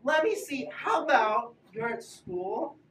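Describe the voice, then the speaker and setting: A woman teaching a children's Bible class in a playful, animated way, coaxing the kids to join in. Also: on the high side, slow pace, distant mic. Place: large echoey room with a group of children. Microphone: camera at a distance. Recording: roomy echo, recorded from afar.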